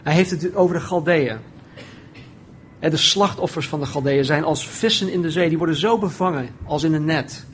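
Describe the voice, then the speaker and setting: A man preaching a sermon, often raising his voice when quoting pleas and dropping low and quiet on solemn points. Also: slight background noise. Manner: animated, voices the prophet's pleading with rising pitch.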